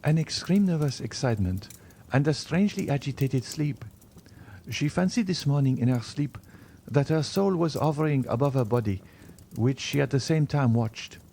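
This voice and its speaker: A man's voice: medium pitch, animated, normal speed, gravelly, mellow, a little hiss or hum, pitched above the performer's own voice. A man voicing an anxious, tender young woman in an audiobook.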